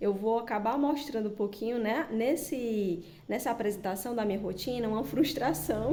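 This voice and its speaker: The room's echo can be heard. In it, a woman talks at a moderate pace. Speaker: homemaker vlogger. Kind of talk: casual vlog narration.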